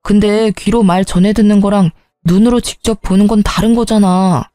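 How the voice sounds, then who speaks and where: A woman's voice: medium pitch, steady tone, normal speed, dark tone, no room sound, soft background music, natural voice. A woman voicing an exasperated grown son. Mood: angry. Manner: insistent, pleading, sharpening into anger. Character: grown son, earnest then exasperated and shouting. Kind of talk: storytelling with voiced characters.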